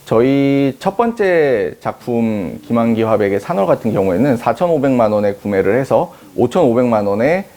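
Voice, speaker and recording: A man in his thirties, a company head, answering interview questions in a measured, explaining way with frequent hesitation fillers. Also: medium pitch, sing-song, warm tone. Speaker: company CEO interviewed on art investment.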